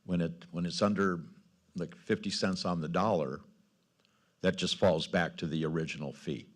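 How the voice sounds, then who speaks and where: A man with a deep voice speaks as a council member in a public meeting. He frames questions and remarks tentatively. The phrasing comes in halting pieces. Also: steady tone.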